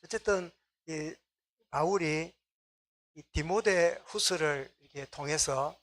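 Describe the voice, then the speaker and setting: Casting: middle-aged male pastor, husky voice, easy conversational sermon. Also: a little high, slow, fairly bright tone.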